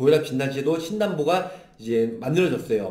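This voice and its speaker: A man speaks at a fairly slow pace with lively intonation. Background noise is noticeable. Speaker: insurance agent and video host. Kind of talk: product explainer tutorial. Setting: office, late night. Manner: loud.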